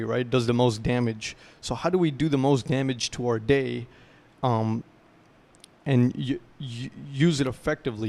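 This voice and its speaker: A young man with a mid-range, slightly mellow voice gives a casual self-improvement talk to camera. He's loose and rambling, often checking in with "right?" and explaining things through gaming comparisons.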